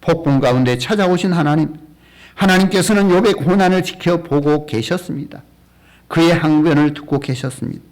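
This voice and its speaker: A man's voice: a little high, fairly quick, a little mellow. A man preaching a sermon as a pastor in a church, earnest and full of rhetorical questions.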